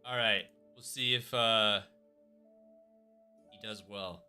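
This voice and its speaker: A man's voice: on the low side, fairly even intonation, slow pace, pushed and bright, clear, resonant tone, faint music behind. A man narrating as dungeon master of a tabletop game, rambling and hesitant with many fillers.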